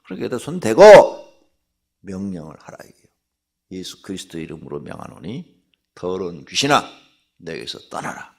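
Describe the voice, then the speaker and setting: A middle-aged male pastor preaching an early-morning sermon, chatting with the congregation through rhetorical questions and then shouting commands. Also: on the low side, creaky, slightly rough. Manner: animated preaching, swings from soft asides to loud shouted commands. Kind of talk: dawn sermon.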